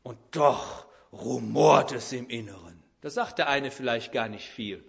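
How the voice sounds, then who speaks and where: A man's voice: medium pitch, a little slow, vocal fry, a bit bright. A man preaching a sermon who illustrates his point with an everyday story and acts out the people in it.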